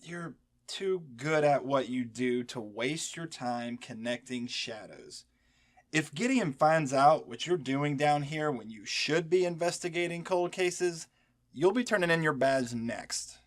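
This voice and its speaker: A man's voice: on the high side, expressive, a little slow. A man playing a weary, stern but protective senior agent in an audio drama, speaking in a cautioning way.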